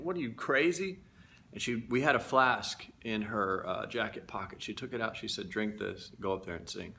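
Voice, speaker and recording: A vlogger with a lowish, sharp-toned voice talks casually to the camera, speaking candidly to his viewers in a reflective, confessional way.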